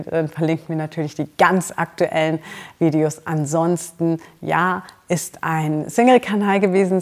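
A woman's voice: fairly low pitch, a little mellow. A woman from Germany hosts a self-help podcast, coaching the listener directly. Her delivery is encouraging and personal, with plenty of casual asides. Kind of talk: motivational podcast talk.

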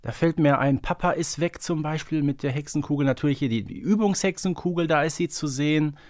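A man's voice: on the high side, brisk, darkish tone, no room sound, clean studio sound. A man co-hosting a podcast, talking casually and expressively with colloquial interjections. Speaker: podcast co-host. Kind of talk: casual fan podcast chat.

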